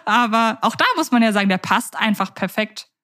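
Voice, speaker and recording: A woman's voice: on the high side, brisk, a bit bright. A woman co-hosting a podcast, talking in a chatty way and thinking aloud with fillers. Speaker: podcast co-host. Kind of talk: casual podcast discussion.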